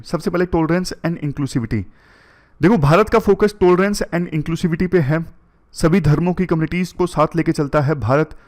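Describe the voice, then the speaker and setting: A man teaching current affairs for an exam, going through points one by one and mixing in English terms. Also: on the high side. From India. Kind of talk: exam-prep lecture.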